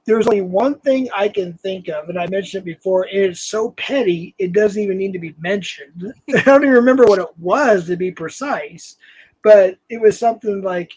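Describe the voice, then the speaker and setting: A man's voice: high voice, moderate pace, a little mellow, husky, no room sound, low-quality recording. An older man hosting a live stream, casual and rambling, laughing often. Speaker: host.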